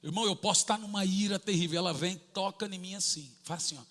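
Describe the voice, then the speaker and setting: A man's voice: sits high, fast. A man in his forties with a Brazilian Portuguese accent, preaching a sermon and acting out funny family stories. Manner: animated storytelling, jokey, acts out family dialogue. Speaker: pastor. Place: large church hall. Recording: echoey church hall.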